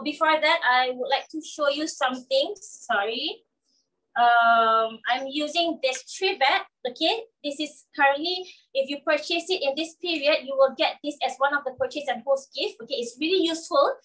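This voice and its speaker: A woman's voice: sits high, normal speed, fairly bright tone. A woman in her thirties with a Malaysian accent gives an informal, instructional cooking demonstration, often checking in with "okay?" and "all right?". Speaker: cooking show presenter demonstrating a kitchen appliance. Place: covered outdoor patio beside a garden. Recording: voice picked up from a distance.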